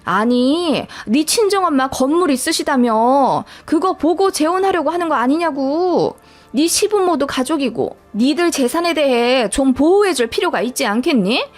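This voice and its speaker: A woman's voice: high voice, animated, moderate pace, faint music behind. A woman voicing a nosy, greedy older mother-in-law who insinuates and justifies herself. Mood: self-justifying. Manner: prying, self-justifying, insinuating.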